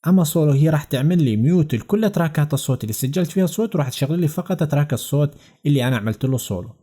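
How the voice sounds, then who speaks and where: A man with a Levantine Arabic accent narrating a software tutorial step by step in a conversational, explanatory way. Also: on the high side, expressive, racing. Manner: conversational, explanatory, addressing viewers directly. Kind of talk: instructional screencast narration, step by step.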